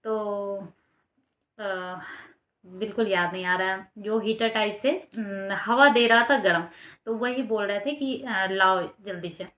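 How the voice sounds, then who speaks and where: A woman's voice: mid-range voice, steady tone, takes it slowly, a bit bright, roomy sound. A young adult woman vlogger telling a personal story in a casual, rambling way with many fillers.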